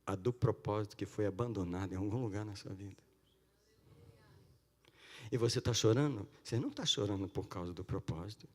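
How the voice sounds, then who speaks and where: A man preaching a sermon in a church, swinging from loud cries to hushed pleading. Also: on the low side, fairly quick, pauses often. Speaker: pastor. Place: church sanctuary. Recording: long church-hall reverb.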